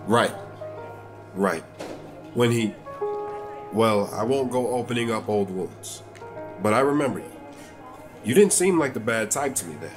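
An actor playing a kindly police officer in an audio drama, gentle, informal and reassuring. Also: male voice, on the low side, expressive, a little slow, long pauses, over music. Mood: gentle, awkward. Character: kindly, plain-spoken male police officer. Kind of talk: scripted audio drama acting.

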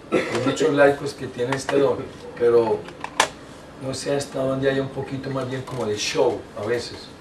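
Older priest telling stories animatedly. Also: male voice, mid-range voice, distant mic, slight background noise. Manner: animated storytelling with frequent asides and restarts. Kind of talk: teaching talk to a lay audience. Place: small indoor meeting room. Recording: echoey room, taken from afar.

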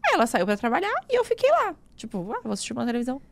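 Brazilian woman, 30s, podcast host. Rapid, animated storyteller, close dry mic. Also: fairly high pitch, vocal fry, no echo. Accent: Brazilian Portuguese. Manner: animated storyteller who acts out quoted lines. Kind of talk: casual chat.

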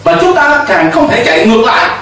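A man's voice: very high voice, very animated, fast talker, sharp tone, very echoey, far from the mic, a little hiss or hum. A middle-aged man preaching a sermon from a church pulpit into a handheld mic, emphatic, with call-and-response to the congregation. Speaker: pastor. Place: church stage with pulpit and cross.

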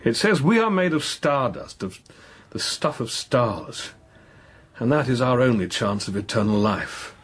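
An actor playing a courteous, doubting Catholic priest investigator in a radio drama, speaking in a measured, hesitant, questioning way. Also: male voice, medium pitch, lively intonation, slightly rough. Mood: troubled, pleading. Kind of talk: naturalistic radio drama acting.

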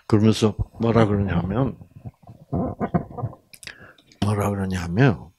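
A man with a lowish, slightly rough voice gives a Bible lecture at a slow pace, telling it like a story. He is animated, asks the audience questions, and acts out the voices of the people in his tale.

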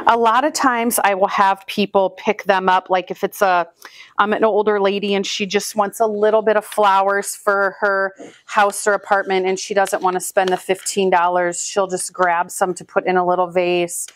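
A flower farmer and channel host in her thirties from Northwest Iowa, US, talks upbeat and chatty to the camera while arranging bouquets. Her voice is medium-pitched and fairly bright, and she offers casual how-to narration as she works with the flowers in an indoor room of flower buckets, filmed by a far hands-free camera.

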